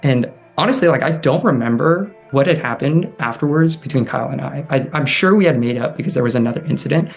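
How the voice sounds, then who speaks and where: Man, mid-pitch, soft, hesitant interview storyteller, faint music bed. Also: creaky. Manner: halting, heavy use of "like", restarts; soft, drops quieter when recalling inner thoughts. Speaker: storyteller guest.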